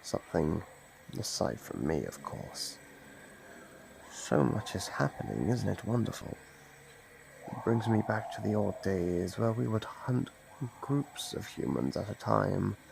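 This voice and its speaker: A man playing an ancient, predatory monster in an ASMR roleplay, taunting and possessive in a gravelly, theatrical voice. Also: low-pitched, background noise, exaggerated voice. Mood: gloating menace. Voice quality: gravelly, creaky. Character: ancient predatory male monster, menacing, gloating, possessive hunter. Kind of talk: ASMR roleplay, dramatic monologue.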